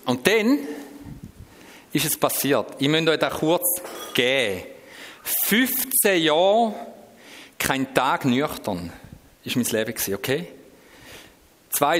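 A middle-aged Swiss man with a Swiss German accent tells his own story to an audience. His voice is mid-pitched and lively, rising and falling a great deal as he moves from quiet asides to sudden outbursts. The sound carries a long echo from a large hall. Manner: animated storytelling, swinging from hushed asides to sudden shouts. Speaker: speaker giving a personal testimony. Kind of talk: personal testimony to an audience. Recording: reverberant hall.

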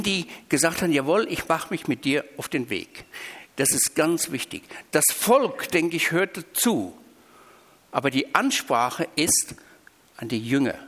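A man from Switzerland, preaching a sermon with emphatic, drawn-out stressed phrases. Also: a little high, a bit bright. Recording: reverberant hall.

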